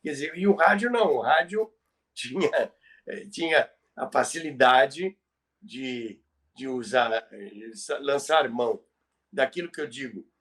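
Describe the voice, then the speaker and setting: A man's voice: medium pitch, expressive, a little slow, a bit bright. A Brazilian man telling radio history conversationally as a podcast presenter, explaining things emphatically and repeating key phrases for effect.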